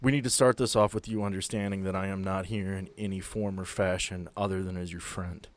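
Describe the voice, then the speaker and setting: A man playing an earnest, blunt veteran agent with a folksy, salty, deliberate way of talking in a tabletop game. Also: deep voice, fairly even intonation, no echo, close to an everyday voice. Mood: earnest, grave.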